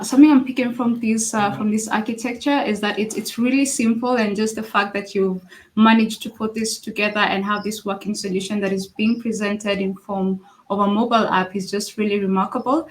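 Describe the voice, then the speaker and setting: Woman, interview host, encouraging, inquisitive, affirming, mid-pitched.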